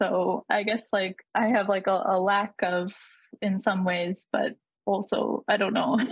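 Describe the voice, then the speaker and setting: Over a quiet background, a woman speaks in a somewhat breathy voice with fairly even intonation and very even loudness, the sound dry with no echo. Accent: Canadian. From Canada. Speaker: comics and animation artist; comics. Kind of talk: casual interview. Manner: hesitant, repeats words. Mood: friendly, thoughtful. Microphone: webcam.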